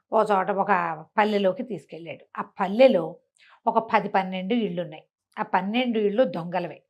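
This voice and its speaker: A woman telling a village tale in a conversational way, animated and chatty with explaining asides. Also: mid-range voice. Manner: animated retelling, acting out characters' remarks, explaining asides to a co-host. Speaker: storyteller. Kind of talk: conversational oral storytelling of a village folk tale.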